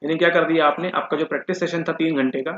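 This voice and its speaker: A man's voice: a little high, steady tone, fast, fairly bright tone. A man giving an exam-prep lecture, asking the class questions and answering them himself. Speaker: teacher. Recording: echoey room, dull lo-fi sound.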